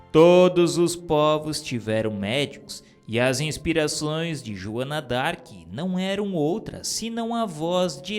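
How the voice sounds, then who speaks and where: A man reading spiritist dictations aloud in a solemn, declamatory style, with slow, emphatic stresses. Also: a little high. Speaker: reader of spiritist texts. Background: soft background music.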